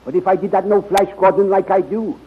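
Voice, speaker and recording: On a tinny, lightly noisy old radio recording, a male scientist, played by an actor speaks in a high-pitched voice. He is formal, confident and reassuring. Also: steady tone, brisk, close to an everyday voice. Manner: formal, assured. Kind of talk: 1930s radio serial acting.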